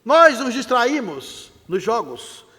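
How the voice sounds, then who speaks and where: An older man with a Brazilian accent lectures a live audience, speaking with a notably high pitch. His delivery is animated and dramatic, like a practiced storyteller. His voice carries a long reverb through a large theater hall. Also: slow pace, breathy edge.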